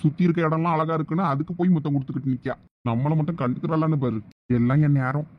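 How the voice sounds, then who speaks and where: A devoted young cartoon husband, voiced by a man, grumbles earnestly in a Thoothukudi Tamil accent. His voice sits high for a man, and the audio is dull and lo-fi. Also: fairly even intonation, very fast, natural voice. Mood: grumbling. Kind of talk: cartoon voice acting.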